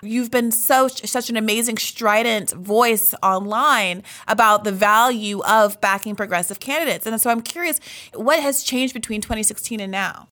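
A woman's voice: on the high side, normal speed, fairly bright tone. Earnest woman interview host. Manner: earnest, effusive, long winding questions.

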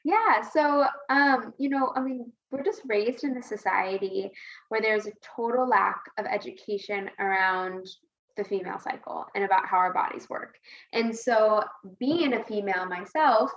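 A woman's voice: medium pitch, moderate pace, fairly bright tone. Earnest woman guest, slightly muffled podcast audio. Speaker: podcast guest, women's health advocate. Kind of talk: casual conversational interview answer.

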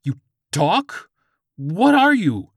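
A man's voice: expressive, slow, pushed and bright, dry recording, studio quality, exaggerated voice. A man playing an unhinged young janitor turned fanatical holy crusader, frantic and declamatory, in a narrated story. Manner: frantic, high-strung, declamatory.

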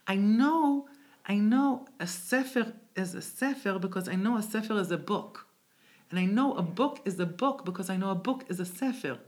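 A woman's voice: medium pitch, animated, moderate pace, darkish tone. A woman guest from the United States, a native speaker of English and Hebrew, talking reflectively in a conversational interview. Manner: reflective, searching, with restarts.

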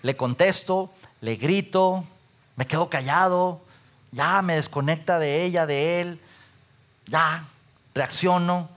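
A man preaching a sermon, animated, asking the congregation questions and listing examples. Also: fairly high pitch, takes it slowly, pauses often. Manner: animated, asks the audience questions, repeats lists. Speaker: pastor.

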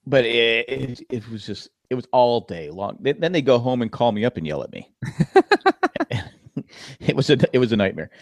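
This man's medium-pitched voice comes through clean and studio-quality, with no room sound, at a normal speed. Co-hosting a casual podcast chat, he tells stories animatedly and acts out customers' lines in raised voices.

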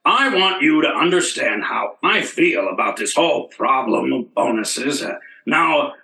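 An actor playing a smooth-talking, manipulative factory boss in theatrical old-time radio comedy style. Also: male voice, mid-range voice, expressive, a little slow, pushed and bright, exaggerated voice. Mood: coaxing. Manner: theatrical, oratorical. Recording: roomy, echoing recording.

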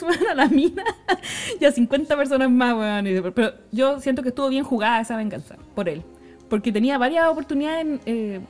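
Young Chilean woman, high and quick, casual slangy storyteller who laughs a lot. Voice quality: slangy, animated, laughs often.

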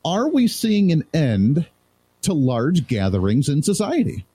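A man's voice: on the high side, huge pitch swings, a little slow, warm tone, slightly rough, no room sound. A man sitting in as a talk radio host, chatting loosely and laughing easily with his co-host. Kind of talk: casual talk radio chat.

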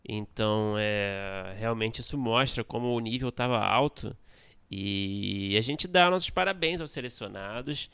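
A man's voice: fairly low pitch, unhurried, creaky, fairly bright tone, clean tone. A man co-hosting a podcast, casual and earnest in tone. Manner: teasing, then earnest and congratulatory. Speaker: podcast co-host.

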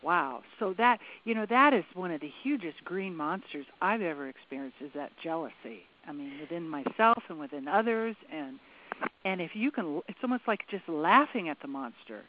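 A woman host responds warmly and enthusiastically, then asks halting questions with many restarts. Her voice is mid-range and comes through a thin, phone-like line. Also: on the low side, lively intonation. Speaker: interview host. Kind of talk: casual interview chat.

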